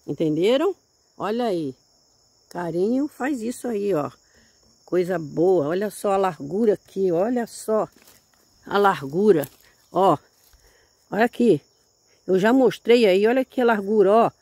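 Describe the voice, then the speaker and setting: A woman's voice: medium pitch, lively intonation, a little slow, pauses often, dark tone, breathy edge, no room sound. Grandmother in her seventies, folksy and chatty, outdoors in a hillside garden, dry sound. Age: 70s. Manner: chatty, folksy, keeps saying "look here", religious exclamations. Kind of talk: casual chat while tending plants.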